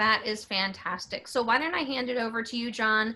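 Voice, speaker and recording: Using an unremarkable speaking voice, a woman with an American accent talks at a fairly high pitch and moderate pace with fairly even intonation. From San Diego, California. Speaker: theater director hosting online class. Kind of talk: casual video-call moderation. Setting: video call.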